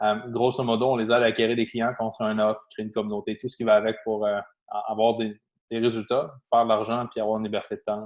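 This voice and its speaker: Speaking with a slight Quebec accent, a man delivers his words in a flat monotone at a fairly quick pace. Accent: slight Québécois French. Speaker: entrepreneur, business coach. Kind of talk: podcast interview. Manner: casual, hesitant with fillers.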